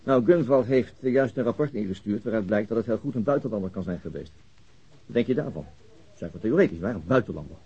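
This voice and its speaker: A man playing a sober, methodical police detective in a radio drama, reasoning in a deliberate, matter-of-fact way. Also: fairly low pitch, expressive, mellow, breathy edge, exaggerated voice. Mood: earnest, reasoning. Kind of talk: Dutch radio drama acting. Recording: dull, lo-fi radio drama recording.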